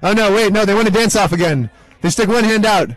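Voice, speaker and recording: A young man commentating a live match, mixing play-by-play with deadpan jokes. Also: high-pitched, fast talker, no room sound, low-quality recording. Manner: deadpan joking asides. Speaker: sports commentator. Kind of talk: comedic live sports commentary.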